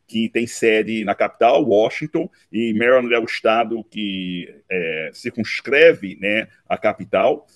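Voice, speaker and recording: A man, recounting his life story in an interview, unhurried and dotted with tag questions. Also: medium pitch, dry recording, clean studio sound. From Recife, Brazil. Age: 50s. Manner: unhurried, with frequent "né" tags and restarts. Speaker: interview guest, law professor. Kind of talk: relaxed autobiographical interview.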